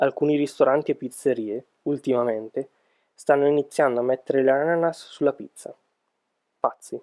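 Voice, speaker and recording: Speaking at a moderate pace, a man with a fairly high pitch and a dark, mellow tone sounds dry and close with no echo. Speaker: Italian teacher. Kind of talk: language-learning podcast.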